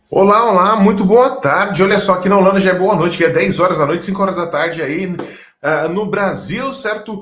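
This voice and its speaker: Audible room echo surrounds a man speaking at a fairly quick pace with a high pitch. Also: ordinary pitch variation. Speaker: tech educator. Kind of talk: panel discussion. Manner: fast; animated.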